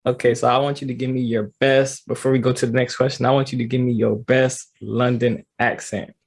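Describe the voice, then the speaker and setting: A man's voice: medium pitch, little pitch movement, fairly quick, creaky, slightly rough. A male podcast co-host who jokes around and talks in a playful, slangy way. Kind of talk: casual interview chat.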